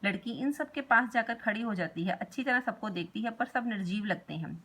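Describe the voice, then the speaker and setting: A woman's voice: a little high, animated, brisk, fairly bright tone. A woman reading a school play aloud for class, plainly naming each speaker and the stage directions. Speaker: reader of a school text.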